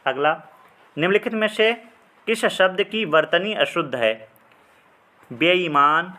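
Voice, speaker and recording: A man explaining Hindi exam practice questions as a teacher, reading each question and then slowly drawing out the correct words. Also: on the high side, pushed and bright.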